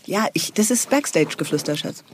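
A woman's voice: on the low side, expressive, fairly quick, slightly rough. A middle-aged woman as a guest on a radio talk show, chatty and enthusiastic, often trailing off mid-sentence. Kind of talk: casual radio chat.

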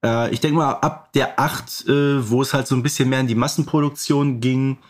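Man, middle-aged, medium pitch, podcast co-host, casual explanatory talk. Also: steady tone, moderate pace. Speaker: podcast co-host and expert collector.

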